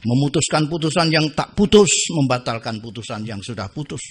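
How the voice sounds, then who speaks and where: A man reciting poetry theatrically, slowing down on some lines and dropping to near-whispers. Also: medium pitch, animated, slight background noise. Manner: theatrical, slow drawn-out lines, sudden drops to near whisper.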